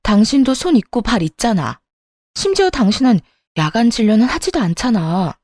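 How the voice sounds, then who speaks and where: A woman's voice: a little high, very animated, moderate pace, a little mellow, dry recording. A woman voicing a tired wife who pushes back against her dismissive husband. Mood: pleading. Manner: pleading then sharply indignant. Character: exhausted, indignant wife, an ER worker in her 30s.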